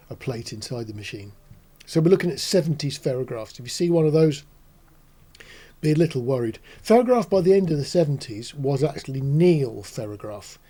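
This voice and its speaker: A man in his sixties with a soft, mellow voice talks casually to camera. He explains things in a measured, matter-of-fact way at a middling pitch, recorded in a small studio. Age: 60s. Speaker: host.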